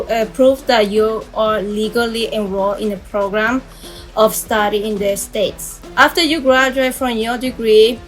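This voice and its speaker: A woman's voice: fairly high pitch, a bit bright, low-quality recording. A young woman from the Dominican Republic, a fashion designer, answering interview questions carefully with small restarts.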